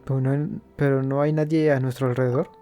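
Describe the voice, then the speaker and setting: A man giving casual, halting commentary as host of a gaming video. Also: mid-range voice, level tone, mellow, soft background music.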